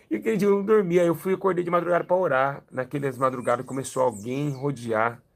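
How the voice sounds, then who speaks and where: A young Brazilian man, a pastor, giving a lively church testimony and acting out the dialogue as he tells it. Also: medium pitch, fast, gravelly, few pauses. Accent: Brazilian Portuguese. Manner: animated storytelling, acting out dialogue.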